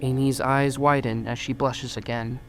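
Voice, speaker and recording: Casting: woman narrator with a remarkably deep voice, reading story narration over soft music. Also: little pitch movement, moderate pace.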